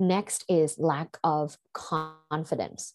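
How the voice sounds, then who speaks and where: A woman with a very deep, low pitch speaks with fairly even intonation on a very clean recording with a silent background. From Thailand. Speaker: professor and sex researcher. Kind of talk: podcast interview.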